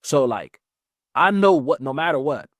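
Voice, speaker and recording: A man's voice: normal speed, no echo. Chatty young man with a dry sound. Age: 20s. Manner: rambling, heavy use of "like", lively pitch jumps. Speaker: guest. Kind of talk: casual interview chat.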